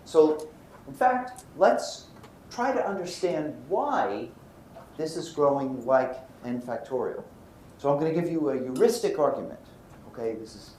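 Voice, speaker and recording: Man, American accent, lecturer, widely swinging pitch, echoing room, faint noise behind. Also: darkish tone. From Brooklyn, United States. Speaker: physics lecturer. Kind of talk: lecture with anecdotes. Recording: roomy echo, faint background noise.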